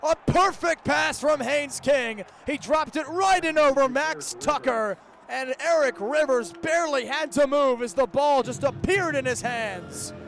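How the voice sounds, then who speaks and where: A young American man with a high voice does live football play-by-play for radio. His phrasing is crisp and packed with detail. Faint music sits behind him. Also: measured pace, a bit bright. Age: 20s. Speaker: play-by-play sports announcer.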